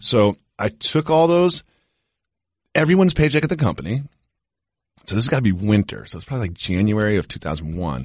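Against a quiet background, a man with an American accent talks at a very fast pace in a fairly low pitch, making very wide pitch swings and taking long, frequent pauses, all in a dry, close sound with no echo. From US Northeast (Amherst, Massachusetts). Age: 40s. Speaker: sports media personality. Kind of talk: casual chat.

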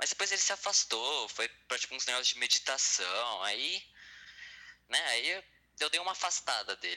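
This man's tone is bright and sharp, with vocal fry. He talks at a moderate pace. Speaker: church youth group member. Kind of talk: casual chat. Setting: video call.

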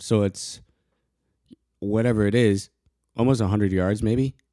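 A man speaks at a moderate pace with a fairly low pitch and a dark, mellow tone. The sound is dry and close with no echo. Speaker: podcast host. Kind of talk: casual monologue. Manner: breathless, runs out of air mid-sentence.

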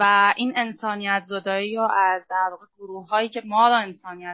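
A woman of medium pitch speaks at a fairly quick pace. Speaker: party official and women's affairs secretary. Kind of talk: panel discussion.

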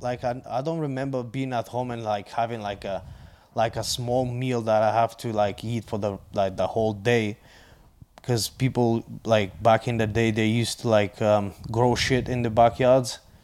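A man with a Bulgarian accent, medium in pitch, at a moderate pace. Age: 30s. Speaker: stand-up comic. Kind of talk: casual chat.

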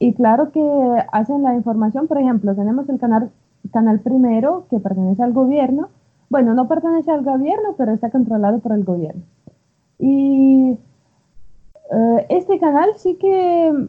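A woman with a Russian accent speaks at a high pitch with very wide pitch swings, a moderate pace, long and frequent pauses and very even loudness. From Russia (Tolyatti). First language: Russian (speaking Spanish). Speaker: journalist. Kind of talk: interview.

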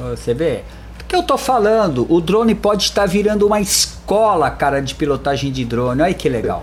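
A man's moderately paced speech with music in the background. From Santos, Brazil. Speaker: podcast co-host. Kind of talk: casual chat.

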